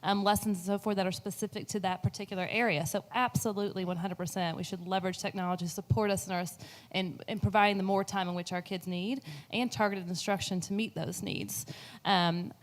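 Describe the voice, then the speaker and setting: A woman's voice: medium pitch, steady tone, fast talker. A woman panelist answering an audience question emphatically and affirmingly.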